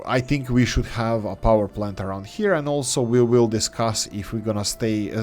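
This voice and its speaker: A man hosting a gameplay video who thinks aloud as he plays, speaking English as his third language and often pausing with fillers and restarts. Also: mid-range voice. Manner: hesitant, many fillers and restarts. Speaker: game let's-play host.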